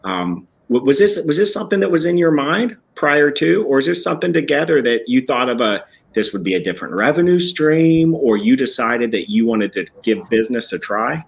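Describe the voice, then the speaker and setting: A man's voice: medium pitch, sing-song, a little fast, creaky, few pauses. A man hosting a podcast from a church building, introducing and interviewing a guest with enthusiasm and some restarts. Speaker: podcast host.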